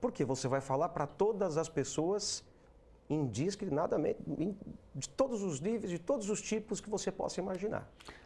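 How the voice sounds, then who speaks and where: With lively intonation, a male speaker keeps to a moderate pace. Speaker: radio host. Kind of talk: interview.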